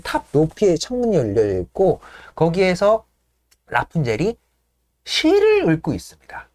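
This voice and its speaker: A man's voice: high voice, no echo, clean studio sound. A man hosting a casual show, retelling the scenes of a play and acting out the lines of its characters. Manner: lively, breaks into laughter and apologizes; acts out lines in quick voices. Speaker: host.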